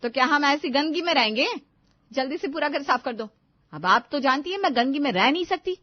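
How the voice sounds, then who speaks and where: A woman's voice: a little high, moderate pace, no echo, muffled recording, close to an everyday voice. Woman doing a bossy young daughter-in-law. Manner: bossy, mocking, commanding.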